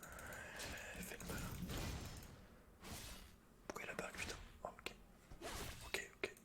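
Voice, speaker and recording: A man's voice: slow pace, pushed and bright. A man doing casual, slangy ASMR gaming commentary as the host, swearing now and then.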